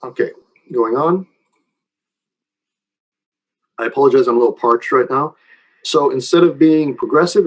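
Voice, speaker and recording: A man's voice: mid-range voice, a little mellow, rough recording. A man lecturing informally and taking questions, explaining in a conversational way and often checking that listeners follow.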